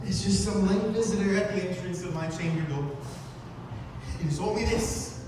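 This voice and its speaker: A man giving a dramatic, haunted recitation of gothic poetry on stage, with halting pauses, recorded from the audience at a live event. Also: high-pitched. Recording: echoey hall, distant mic, noisy room.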